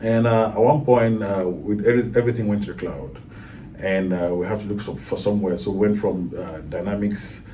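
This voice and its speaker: A man's voice: on the low side, steady tone, a little fast, dark tone, far from the mic, slight background noise. A man from Cameroon, a guest in a casual talk, speaking with many fillers and restarts. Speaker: guest, IT project manager.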